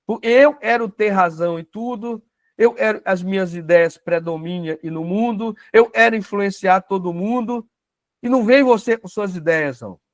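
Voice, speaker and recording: A man's voice: sits high, moderate pace, no room sound, studio quality. A man with a Brazilian Portuguese accent teaching a self-knowledge class in a conversational way, often adding tag questions and acting out little dialogues.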